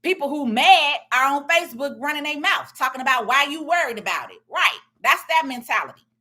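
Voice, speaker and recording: Loud middle-aged woman, blunt commentary, bright forceful tone, sits a little high. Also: animated, brisk. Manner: confident, emphatic, plain-spoken. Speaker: tax and business strategist. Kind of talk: blunt social media commentary.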